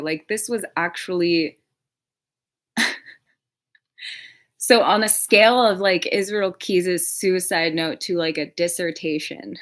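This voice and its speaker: A woman's voice: fairly low pitch, a bit bright. A woman chatting casually on a livestream as a true crime creator, rambling with lots of filler words and casual swearing.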